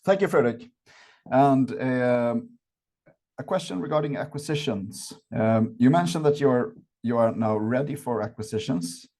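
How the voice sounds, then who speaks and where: A male analyst poses a question on an earnings call. His voice has a medium pitch for a man. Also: normal speed, a little mellow. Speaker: financial analyst.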